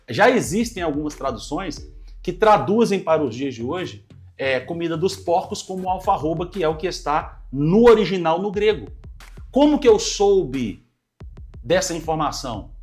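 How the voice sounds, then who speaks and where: Earnest pastor teaching the Bible. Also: male voice, fairly high pitch. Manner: earnest teaching, addresses listeners as brothers. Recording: light music underneath.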